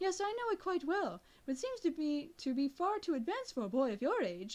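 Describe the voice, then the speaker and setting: A woman does a squeaky, put-on character voice at an extremely high pitch, with very wide pitch swings and a fairly quick pace. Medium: read story. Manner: brisk, formal, evasive.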